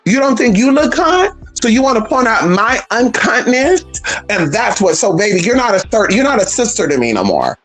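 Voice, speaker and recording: Sassy, lively trans woman vlogger. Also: on the high side, normal speed, soft background music. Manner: sassy, blunt, profane; animated, emphatic. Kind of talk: casual vlog rant.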